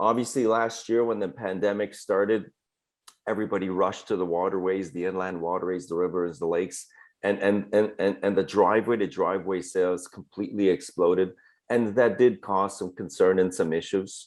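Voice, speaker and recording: A man with a Quebec accent at a fairly quick pace, his intonation fairly even, over a quiet background. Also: fairly low pitch for a man. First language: French. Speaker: boat distributor founder. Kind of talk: panel presentation.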